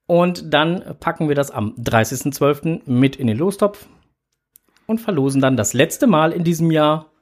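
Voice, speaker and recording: A man's voice: a little high, animated, moderate pace. A man hosting a casual podcast, rambling with fillers and restarts. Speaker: podcast host.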